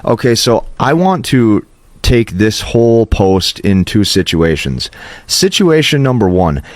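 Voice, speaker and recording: A man's voice: on the low side, big pitch swings, a little slow, dry recording. A man speaking as a coach in an emphatic, instructive motivational monologue, often checking in with "okay". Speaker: host, dating advice coach. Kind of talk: motivational advice monologue to camera.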